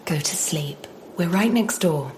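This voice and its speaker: A woman's voice: on the low side, animated, unhurried, a little mellow, slight background noise. An actress playing a tender, loving mother of a little boy in a horror audio drama. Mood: gentle. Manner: tender, motherly bedtime delivery. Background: music.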